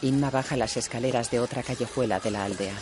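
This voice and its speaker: A man reads a film's audio description in a calm, even way, in a steady mid-range voice. A faint noise runs under him. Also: medium pitch, quick pace.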